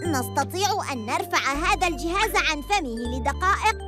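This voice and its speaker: An excitable young cartoon boy, always pushing. The high voice jumps around expressively. Music is clearly heard underneath. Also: a little fast. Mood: insistent. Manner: insistent, eager. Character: excitable, pushy young boy date fruit. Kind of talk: children's cartoon dubbing in formal Arabic. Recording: music behind the voice.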